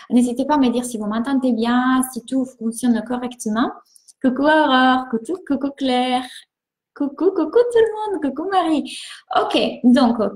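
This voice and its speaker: A woman from Italy with an Italian accent, a mindset coach hosting a live stream, greeting viewers warmly and repeating words enthusiastically. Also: sits high, echoey room.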